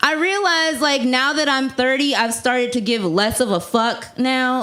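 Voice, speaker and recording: A woman with a high voice talks at a moderate pace, with audible room echo and noticeable background noise. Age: 30s. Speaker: comedian. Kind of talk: stand-up. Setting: stage with audience.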